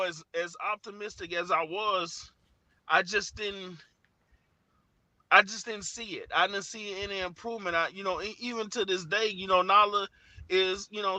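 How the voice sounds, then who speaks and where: Earnest man in his forties, bright voice. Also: high voice, no echo, poor audio. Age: 40s. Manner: earnest and searching, full of "you know" and restarts. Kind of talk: reflective conversational interview.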